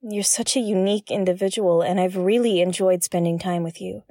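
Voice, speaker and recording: An actress playing a feisty, irreverent woman who broadcasts from her own ship, expressive and candid in an audio drama. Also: mid-range voice, a little fast, dry recording, clean studio sound, natural voice. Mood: wistful, sincere. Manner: expressive, candid, prone to gleeful giggling. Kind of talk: audio drama acting, conversational.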